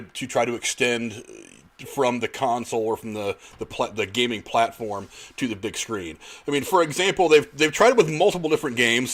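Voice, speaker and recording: A man's voice: medium pitch, a bit bright. A man hosting a casual panel discussion, rambling a little as he talks at length. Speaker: podcast host moderating a discussion.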